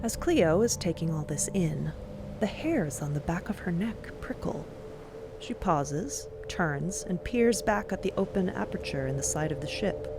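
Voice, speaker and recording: A woman tells a scripted story in a measured, descriptive manner. Her voice is on the low side, with loud ambient sound running behind it. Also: expressive, noisy background. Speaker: narrator.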